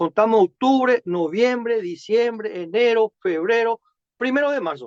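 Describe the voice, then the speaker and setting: This man's pitch is extremely high, and it swings very widely. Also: dry, close sound with no echo. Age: 60s. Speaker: former government minister. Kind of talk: TV interview.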